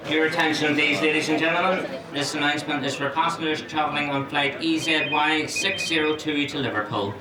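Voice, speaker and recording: A man making formal airport public address announcements over loudspeakers, reading out flight numbers in a measured way. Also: on the high side, steady tone. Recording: echoey loudspeaker from far off, busy crowd.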